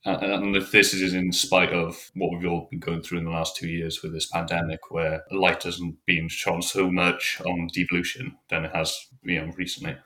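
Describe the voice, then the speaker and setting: Male researcher, very low voice with a bright, forceful edge, thoughtful and halting. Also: monotone. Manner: thoughtful, with restarts and fillers. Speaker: researcher discussing his survey. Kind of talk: conversational interview.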